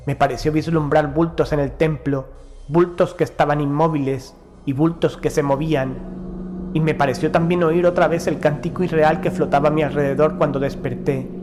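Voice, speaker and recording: A man's voice: fairly high pitch, fairly even intonation, close to an everyday voice. A man playing a proud, doomed Prussian naval officer, narrating a horror audio story in a solemn, formal manner as madness haunts him. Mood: haunted, uneasy. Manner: solemn, formal, measured diction. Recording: music behind the voice. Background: music.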